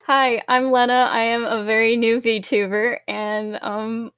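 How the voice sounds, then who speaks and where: A woman's voice: fairly high pitch, little pitch movement, a little slow, a bit bright, clean tone, no echo, studio quality. A woman chatting casually as an interview guest in a cute, bubbly streamer manner, rambling along.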